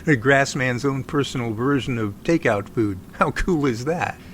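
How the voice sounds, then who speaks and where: A man playing an eager, friendly researcher in an audio drama, with a creaky voice and a chatty, enthusiastic manner. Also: medium pitch, moderate pace, a bit bright, a little hiss or hum, close to an everyday voice. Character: eager, friendly Sasquatch researcher named Jerry. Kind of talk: amateur audio drama acting.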